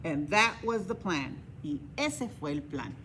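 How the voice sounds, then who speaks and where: A woman's voice: lowish voice, very animated, takes it slowly, a bit bright, a little hiss or hum. A woman librarian reading a children's story aloud, each line in English then Spanish, with animal sounds.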